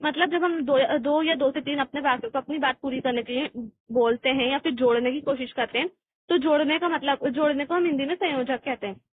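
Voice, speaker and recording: High-voiced woman teaching in a tinny recording. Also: steady tone. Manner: explains step by step, often restarting phrases and adding "अ"; reads textbook passages aloud slowly. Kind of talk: exam-prep lesson. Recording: tinny phone-like recording with faint hiss.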